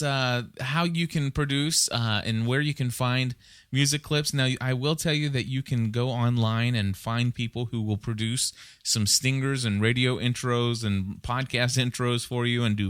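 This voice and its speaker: A man's voice: medium pitch, a bit bright, smooth, no room sound, clean studio sound. A man hosting a podcast, rambling casually and conversationally as he thinks aloud and gives advice. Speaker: podcast host.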